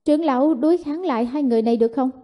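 A woman voicing an anxious young holy maiden who asks quick, worried questions. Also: sits high, highs cut off, natural voice.

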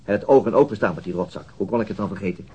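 An actor playing a dogged, troubled police detective in a naturalistic radio drama, husky and deliberate, sometimes halting. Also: male voice, on the low side, warm tone, low-quality recording. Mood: troubled, pensive. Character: dogged, troubled male police detective recounting his inquiry.

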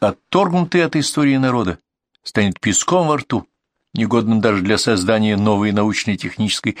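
A man reading nonfiction essays aloud as an audiobook narrator, in a measured, deliberate manner that slows down for lists and examples. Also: mid-range voice, fairly bright tone, dry recording, studio quality.

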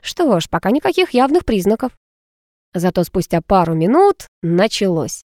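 A woman narrating a first-person story aloud, lively and expressive with ironic asides. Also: medium pitch, normal speed, no echo, studio quality. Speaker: audiobook narrator.

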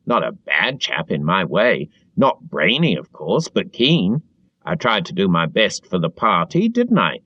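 A man voicing a frightened, servile middle-aged man who pleads eagerly in a high, strained voice. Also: wildly swooping pitch, unhurried, dry recording, full character voice. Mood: pleading. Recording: dull dry lo-fi recording.

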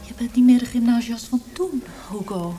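Actress as a mellow, higher-voiced probing wife. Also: female voice, lively intonation, normal speed, faint music behind, close to an everyday voice. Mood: concerned, serious. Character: probing, down-to-earth wife of a troubled poet. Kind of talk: naturalistic radio drama dialogue.

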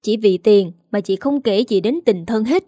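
A woman's voice: mid-range voice, normal speed, dark tone, no room sound, studio quality, lightly acted. A woman voicing an indignant, outspoken younger daughter with a scornful manner. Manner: scornful and pleading.

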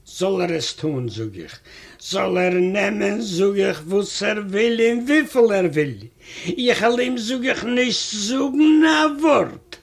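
A man's voice: high-pitched, big pitch swings, takes it slowly. A man reading a comic first-person story aloud in a chatty manner, retelling a quarrel and repeating "I say" again and again.

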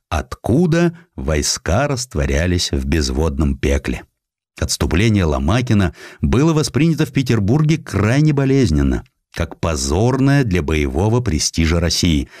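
A man reading historical stories as an audiobook narrator, with expressive scripted delivery, close on the microphone. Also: low voice, no room sound. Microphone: close studio microphone.

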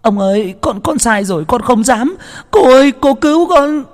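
A man's voice: extremely high pitch, lively intonation, normal speed, big-room sound, pitched above the performer's own voice. A man voicing a spiteful young maidservant who sneers, stammers and begs. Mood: begging. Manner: stammering, sneering then begging. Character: spiteful young female servant, groveling.

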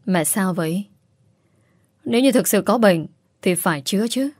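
A woman's voice: medium pitch, lively intonation, normal speed, darkish tone, dry recording, studio quality, natural voice. A woman doing an earnest young husband. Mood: urgent.

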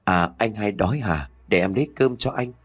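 A man's voice: normal speed, breathy edge. A man voicing a timid, frightened young village woman who pleads with her family. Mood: nervous. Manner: anxious, pleading, high-pitched.

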